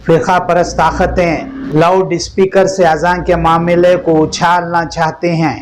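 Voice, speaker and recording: A man's voice: on the high side, rough recording. A man presenting scripted news as narration, in formal, literary wording. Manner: formal Urdu-laden diction.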